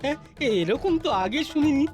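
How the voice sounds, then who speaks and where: A woman's voice: sits high, expressive, normal speed. A woman playing a flustered, complaining snack-stall shopkeeper in a cartoon, exclaiming with indignation. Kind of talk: cartoon voice acting. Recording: music behind the voice.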